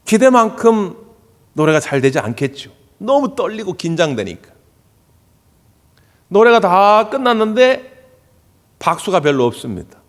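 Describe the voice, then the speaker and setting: A pastor delivers a Sunday sermon from the pulpit of a church sanctuary, his high, lively voice swooping up and down as he tells stories and acts out the voices of the people he quotes. He speaks unhurriedly, leaving long pauses. A pulpit microphone captures him, and the large hall gives his words a long, ringing reverb.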